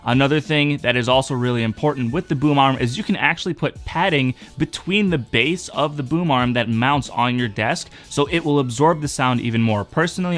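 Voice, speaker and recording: Young male tutorial host, baritone, matter-of-fact delivery, quiet music bed. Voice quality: mid-range baritone. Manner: steady, instructive, matter-of-fact. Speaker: streaming tech tutorial host. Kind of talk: explaining microphone setup tips. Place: home streaming desk. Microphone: dynamic mic on a boom arm.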